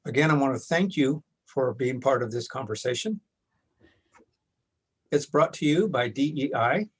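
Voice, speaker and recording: Husky man moderating a video call. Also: medium pitch, lively intonation. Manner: measured and formal, reads introductions with occasional restarts. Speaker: workshop moderator. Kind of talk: formal welcome and introductions on a video call.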